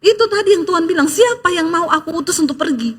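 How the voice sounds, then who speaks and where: This is a lively sermon from a woman pastor whose voice is very high and whose pace is quick. She tells stories, acts out the people she's quoting, and drops in humorous asides.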